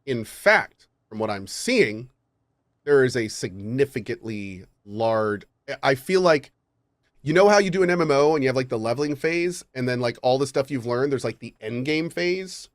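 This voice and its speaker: A man co-hosting a casual gaming podcast, talking with enthusiasm and dropping quick agreements. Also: medium pitch, lively intonation, dry recording, studio quality. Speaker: streamer, podcast co-host.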